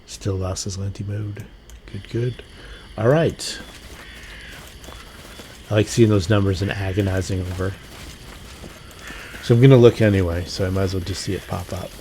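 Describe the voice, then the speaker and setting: Low-voiced man muttering over a game. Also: steady tone, normal speed, pauses often, dark tone, slight background noise. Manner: muttering to himself, sweary. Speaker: gaming channel host. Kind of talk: casual gameplay commentary. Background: music behind the voice.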